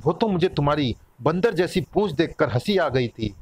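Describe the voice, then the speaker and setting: A man voicing a small, cheeky, giggly little girl with a high, childlike voice. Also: lively intonation, normal speed, slightly rough. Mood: teasing.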